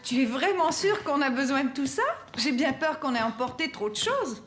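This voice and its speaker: A woman voicing a patient, encouraging young cartoon mother, gentle and explanatory. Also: high voice, animated, moderate pace, over loud music. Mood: patient, caring. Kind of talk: children's cartoon dubbing.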